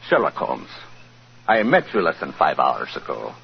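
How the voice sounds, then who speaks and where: Very deep, gravelly gypsy chieftain. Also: male voice, huge pitch swings, full character voice. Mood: grave, grateful. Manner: formal, solemn, measured. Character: grave, proud gypsy tribal leader, older father. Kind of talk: 1940s radio drama acting. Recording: dull, noisy 1940s radio recording.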